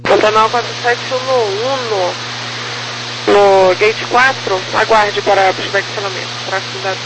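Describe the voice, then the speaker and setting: A female ground controller reads procedural instructions on air traffic control radio. Her mid-range voice competes with very loud channel noise. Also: mid-range voice, fairly even intonation, normal speed. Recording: very noisy aviation radio channel.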